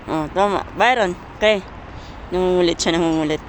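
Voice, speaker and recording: A woman's voice: lowish voice, moderate pace. A woman vlogging outdoors on her phone, teasing and playfully scolding her pet, laughing often. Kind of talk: casual vlog talking to a pet. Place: outdoors among trees in winter. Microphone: phone camera. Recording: noisy outdoor phone recording.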